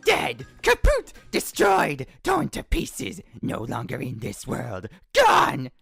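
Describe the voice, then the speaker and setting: A scheming little crook of an audio drama. The voice is scratchy and creaky, with huge melodramatic swoops. It gossips gleefully in a very dry recording. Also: female voice, sits low, wildly swooping pitch, slow, fairly bright tone, no room sound, soft background music, heavily acted. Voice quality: raspy, gravelly. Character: gleeful, scheming scavenger card duelist. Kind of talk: fan audio drama acting.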